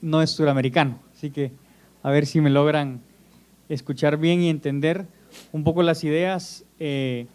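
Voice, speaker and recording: A man from Honduras with a Honduran Spanish accent, giving a measured talk at an academic conference and pausing often on "eh". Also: fairly high pitch, fairly even intonation, a little mellow, smooth. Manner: measured, with frequent "eh" pauses and self-repeats. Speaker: conference speaker. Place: conference hall.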